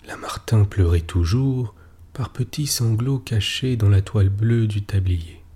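A man narrates a classic short story in a low, dark, very husky voice. He reads slowly and carefully, letting his voice sink almost to a whisper in quiet moments. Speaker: reader.

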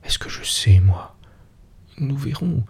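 A man voicing a lively, teasing young woman in a breathy near-whisper, as whispered role-play. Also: mid-range voice, takes it slowly, pitched above the performer's own voice, full character voice. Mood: eager.

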